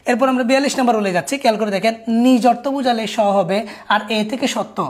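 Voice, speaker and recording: A woman's voice: fairly high pitch, rapid-fire. A woman, a teacher giving a recorded spelling lesson, explaining patiently and often telling listeners to look closely.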